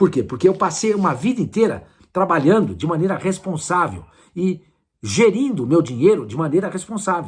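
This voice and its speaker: At a high pitch and a moderate pace, a man speaks in an animated tone with lively intonation, captured in a very clean recording with a silent background. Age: 60s. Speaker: football pundit. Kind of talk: casual monologue to camera.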